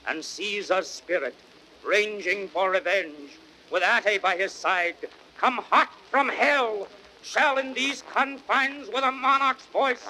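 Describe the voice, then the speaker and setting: A man's voice: high-pitched, bright, forceful tone, exaggerated voice. An actor playing a Roman nobleman, a grieving and vengeful orator, in declamatory verse in a 1930s radio Shakespeare style. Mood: vengeful, rising fury. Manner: declamatory, theatrical, measured verse delivery. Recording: noisy old 1930s radio broadcast recording.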